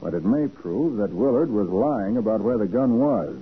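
An actor playing a confident, quick-thinking private detective in a 1940s radio crime drama. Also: male voice, on the low side, lively intonation, close to an everyday voice. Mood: reasoning, assured. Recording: narrow 1940s radio recording, faint hiss.

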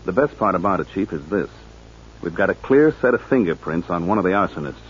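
A man's voice: low-pitched, animated, fast. An actor playing an eager, wry male government agent and assistant in a 1950s radio drama, matter-of-fact and deferential. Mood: earnest reporting. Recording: muffled, noisy 1950s radio recording.

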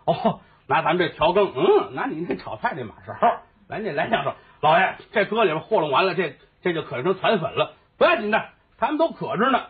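Brief: high, very animated man, voicing all the characters of a comic story. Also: a little fast, hardly any pauses, slightly rough. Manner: switches voices between characters, sings opera snatches. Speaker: crosstalk storyteller. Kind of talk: comic storytelling with sung parts. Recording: phone-like lo-fi recording with faint music.

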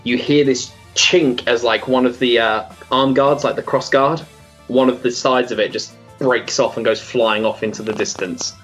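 A man narrates as game master of a tabletop game, loose and chatty, his descriptions full of fillers and little laughs. His pitch sits in the middle range. A faint music bed plays under him. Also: fairly even intonation, normal speed, fairly bright tone.

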